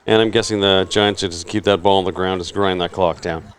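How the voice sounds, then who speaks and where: A man's voice: low voice, fairly even intonation, fairly quick. A man doing casual play-by-play commentary on a local football game, chatty and joking between plays. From Canada.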